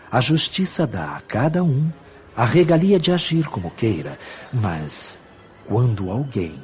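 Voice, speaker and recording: An actor playing a wise, benevolent spiritual mentor in a radio drama, speaking in a measured, formal, teaching manner. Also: male voice, lowish voice, a little mellow, dull audio.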